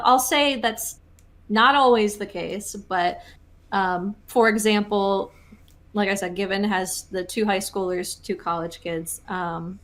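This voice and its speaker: A woman's voice: medium pitch, a bit bright. A woman co-hosting a podcast in casual chat, talking loosely with plenty of fillers and restarts. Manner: chatty, heavy on fillers and restarts. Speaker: podcast co-host.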